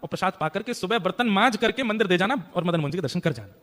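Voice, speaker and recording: A man voicing a playful divine child disguised as a temple watchman, speaking calmly and matter-of-factly. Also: sits high, very fast, big-room sound.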